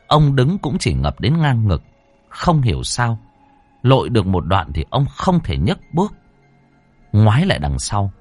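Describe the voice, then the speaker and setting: A man's voice: mid-range voice, dry recording. A man narrating a ghost story in a dramatic, suspenseful way. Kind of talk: audiobook narration.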